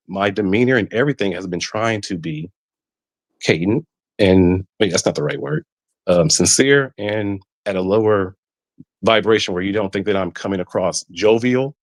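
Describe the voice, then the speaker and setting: A fairly low-pitched man with an African American Vernacular English accent, speaking earnestly on a call-in podcast. He stumbles and repeats words as he presses his point, and the sound is dry and close. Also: dry recording, low-quality recording. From United States. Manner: earnest, repeating himself, rising when insistent. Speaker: caller. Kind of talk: heated podcast call-in discussion.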